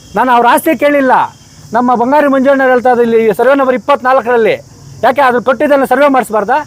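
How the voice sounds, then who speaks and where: Noticeable background noise sits behind a man's extremely high-pitched voice. His loudness stays very even. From Kolar district, Karnataka. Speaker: farmers' union activist. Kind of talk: press conference statement. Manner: animated.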